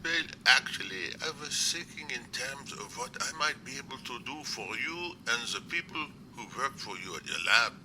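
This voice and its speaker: A man playing an earnest, courteous doctor in an amateur audio drama, speaking in a formal, measured way. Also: medium pitch, expressive, bright, forceful tone, poor audio. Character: earnest, courteous male doctor, secret Sasquatch researcher. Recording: clear background noise.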